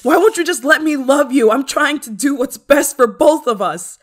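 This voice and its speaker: A woman's voice: high-pitched, expressive. Woman acting as a clingy, desperate android lover. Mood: pleading, possessive. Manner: hesitant, halting, emotionally intense delivery. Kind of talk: ASMR roleplay drama monologue.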